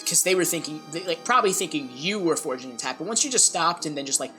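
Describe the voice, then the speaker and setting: A woman narrating a tabletop game as game master, chatty and quick to laugh. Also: low-pitched, lively intonation, pushed and bright, faint music behind. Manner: chatty, laughs easily, rambling.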